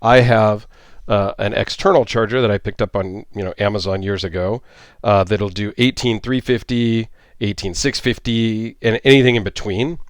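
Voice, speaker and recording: A man's voice: fairly low pitch, normal speed, no room sound, studio quality. A middle-aged man giving a casual, rambling gear review on his channel, with many ums and restarts. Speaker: YouTube reviewer.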